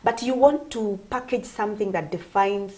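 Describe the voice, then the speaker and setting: A woman's voice: mid-range voice, moderate pace, dark tone. A woman from Kenya, a gospel singer and vocal coach, giving earnest, explanatory interview answers and repeating phrases for emphasis.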